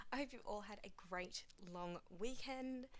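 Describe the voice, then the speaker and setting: This woman has an Australian accent. Her pitch is fairly high. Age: 20s. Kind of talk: casual talk to camera.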